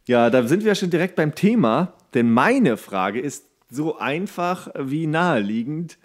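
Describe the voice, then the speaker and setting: A man's voice: on the high side, animated, unhurried. A man co-hosting a podcast in casual comedic banter, playfully and theatrically teasing. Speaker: podcast co-host.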